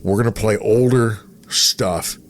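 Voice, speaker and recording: A middle-aged radio personality, appearing as a podcast guest, chats casually and tells anecdotes in a fairly low, slow voice, acting out bits of remembered dialogue. Noticeable background noise is present in the recording.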